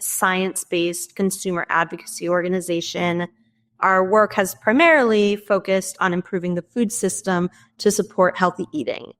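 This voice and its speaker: Articulate woman guest explaining policy. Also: medium pitch. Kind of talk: interview answers.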